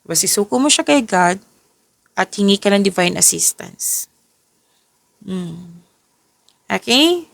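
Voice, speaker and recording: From the Philippines, a tired tarot reader speaks slowly in a medium-pitched voice with vocal fry, lively intonation and long pauses, and her voice is a little off. Her casual reading mixes English and Tagalog, and she frequently stops to correct and rephrase herself. There is no echo.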